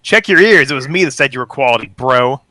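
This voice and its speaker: A man's voice: medium pitch, animated, fast talker, pushed and bright, no echo. A man chatting casually as a podcast co-host, with a jokey, slangy way of talking. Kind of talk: casual chat.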